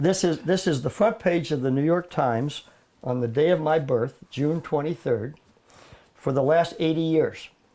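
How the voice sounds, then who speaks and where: On a very clean recording with a silent background, a man with an American accent speaks at a moderate pace in a dark, mellow, fairly high voice with ordinary pitch variation. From US Midwest, Kansas City, Missouri. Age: 80s+. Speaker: Olympic rower. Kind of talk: interview storytelling. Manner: hesitant, many fillers.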